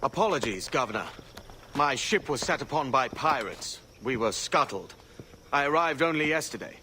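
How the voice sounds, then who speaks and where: An actor playing a young pirate posing as an expected guest, giving short, deferential answers. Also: male voice, mid-range voice, expressive, moderate pace, sharp tone, slight background noise. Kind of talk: video game cutscene acting.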